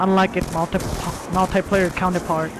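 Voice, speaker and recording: Music can be heard behind the speech. The delivery holds a moderate tempo. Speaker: gaming video creator. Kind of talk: live gameplay commentary.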